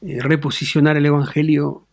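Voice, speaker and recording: Measured bishop, dry sound. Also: male voice, a little high, monotone, darkish tone, no echo. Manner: deliberate, frequent tag questions and fillers. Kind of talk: measured interview answers.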